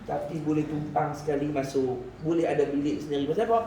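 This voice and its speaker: A man's voice: a little high, fast talker, background noise. A man preaching in a village prayer hall, telling stories with humor and acting out quoted speech. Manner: animated storytelling with laughter and acted quotes. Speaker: religious teacher. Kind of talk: village mosque sermon. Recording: echoey hall, speaker far from mic.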